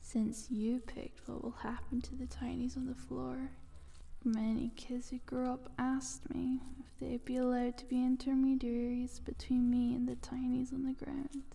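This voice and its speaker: A breathy eldritch monster, played by a woman, whispers in a slow, level ASMR monologue. She is calm, condescending and playfully ominous, with a mellow, slightly high female tone and some creak at the edges. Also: exaggerated voice. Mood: patient, smug. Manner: slow, deliberate, coaxing.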